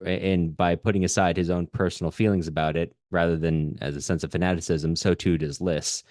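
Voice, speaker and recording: Low-voiced man discussing literature. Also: steady tone, brisk, a little mellow, no echo, clean studio sound. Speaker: podcast host.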